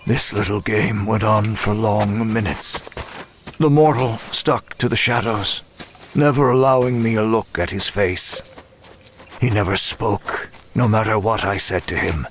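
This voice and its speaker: An actor playing a weary, tormented man who narrates his ordeal in a horror audio drama, grave and deliberate with halting pauses. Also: on the low side, fairly even intonation, slight background noise. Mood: grim, weary.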